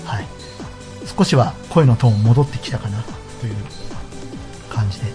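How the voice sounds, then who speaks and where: A man with a mid-pitched voice hosts his own show over background music. He talks casually but politely to his listeners, in the manner of a solo radio presenter. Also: normal speed.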